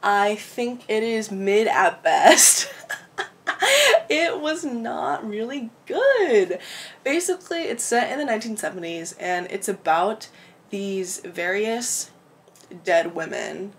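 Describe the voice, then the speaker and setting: A woman's voice: mid-range voice, expressive, takes it slowly, a little hiss or hum. Stuffed-up woman doing a chill book vlog at home, kinda rambly, swears a bunch, laughs a lot. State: congested, clogged-up throat. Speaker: book vlogger. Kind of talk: casual book review chat. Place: home room with window open.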